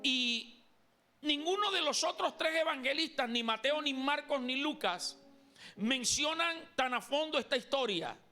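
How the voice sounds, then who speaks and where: A man's voice: very high voice, lively intonation, measured pace, pushed and bright, faint music behind. A man from Colombia preaching a sermon as pastor in a church, emphatic and calling on the congregation to repeat after him. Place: church sanctuary.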